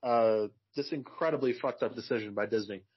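Husky man on lo-fi podcast audio. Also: medium pitch, brisk. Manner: relaxed, agreeable, many yeahs. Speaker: podcast co-host. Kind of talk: casual chat.

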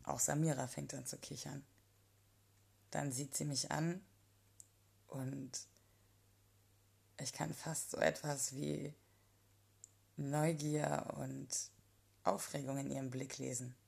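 A woman reads a first-person erotic story aloud in a calm, intimate way. Her voice is low and husky, with a gravelly edge. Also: slow pace, long pauses. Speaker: narrator.

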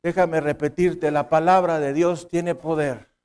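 A man with a northern Mexican accent preaching a sermon as pastor, emphatic, with sudden rises in pitch and loudness, telling humorous anecdotes. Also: fairly even intonation, unhurried, clear, resonant tone.

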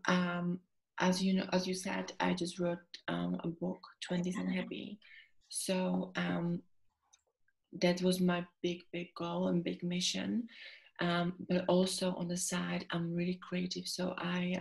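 A woman in her twenties with a Czech accent talks as an interview guest, quick and chatty, full of "um" and "like". Her voice sits a little low and stays fairly flat. A gravelly fry runs through it. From Czech Republic. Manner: quick, chatty, many fillers like "um" and "like". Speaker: guest, author and performer. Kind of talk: interview conversation.

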